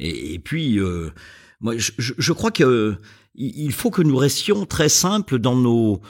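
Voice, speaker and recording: Very wide pitch swings run through a man's medium-pitched voice at a very slow pace. The recording is very clean, with a silent background. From France, Jura (Bresse jurassienne). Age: 60s. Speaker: sales trainer. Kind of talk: interview. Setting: school premises. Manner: animated; hypnotic cadence.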